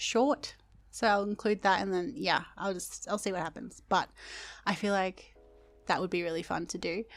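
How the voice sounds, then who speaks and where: Heard in an Australian accent, the woman comes through on a very clean recording with a silent background. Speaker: K-pop reaction vlogger. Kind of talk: casual vlog talk to camera.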